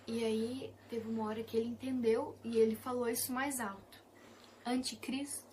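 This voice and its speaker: Soft-spoken young Brazilian woman. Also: fairly high pitch, flat delivery, a little fast, a little hiss or hum. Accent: Brazilian Portuguese. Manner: soft and intimate, often dropping to a hushed whisper. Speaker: Christian testimony speaker. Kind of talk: personal testimony.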